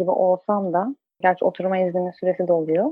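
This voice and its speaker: Her intonation fairly even, a woman is speaking. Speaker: visual artist. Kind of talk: interview. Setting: remote call from Ayvalık.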